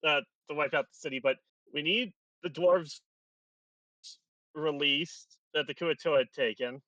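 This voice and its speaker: A man playing a tabletop game over an online call, his voice choppy and breaking up, halting as he searches for words. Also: on the high side, pushed and bright, dry recording. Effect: choppy, breaking-up online call audio. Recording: dull, distant voice over a weak internet call.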